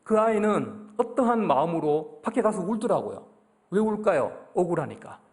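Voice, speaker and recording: A man's voice: high-pitched, sing-song, moderate pace, a little mellow. A middle-aged man with a Gyeongsang accent preaching a conversational sermon to his congregation, often putting questions to them. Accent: Daegu Gyeongsang Korean. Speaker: pastor. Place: church sanctuary.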